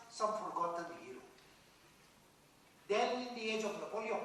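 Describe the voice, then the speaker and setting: A man acting a vain, teasing dead mathematician in a dramatised play reading, lecturing theatrically with pauses. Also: high-pitched, a bit bright, heavily acted. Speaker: stage actor. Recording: echoey hall, distant mic, faint noise.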